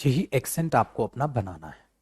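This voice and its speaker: Husky and medium-pitched at a normal speed, this spoken English teacher runs a live class in a chatty, animated way, repeating points and addressing students as "beta." The sound is clean studio quality with no room ambience.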